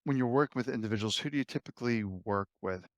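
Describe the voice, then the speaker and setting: A man hosting an interview, speaking calmly and reflectively, affirming his guest. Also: on the low side, fast talker, no room sound, studio quality. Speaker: podcast host. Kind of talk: conversational interview.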